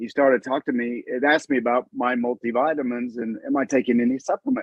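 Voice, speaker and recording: A man speaks very fast while his intonation stays fairly even. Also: medium pitch for a man. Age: 60s. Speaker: network marketing distributor. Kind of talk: testimony.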